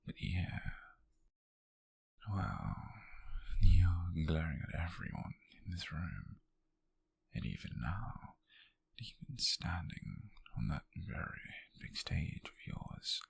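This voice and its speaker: A British man playing a possessive, calculating nobleman in an intimate ASMR roleplay, speaking in a soft, menacing, condescending murmur close to the mic. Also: very animated, takes it slowly, full character voice. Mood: intrigued, calculating. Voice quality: breathy, husky, gravelly low murmur. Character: possessive, calculating noble man who buys captives at auction. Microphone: close mic, dry.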